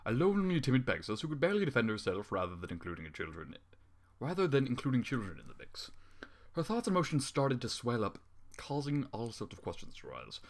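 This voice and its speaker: A man's voice: medium pitch, sing-song, fast. A man reading fan fiction aloud with running commentary, exasperated and sarcastic, swearing often.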